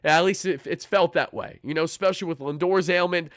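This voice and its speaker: Raspy fired-up young man. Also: fairly high pitch, no room sound, clean studio sound. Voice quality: raspy from shouting. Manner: fired-up, fast fan talk with restarts. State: hoarse. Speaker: sports channel host. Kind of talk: live-stream pregame talk.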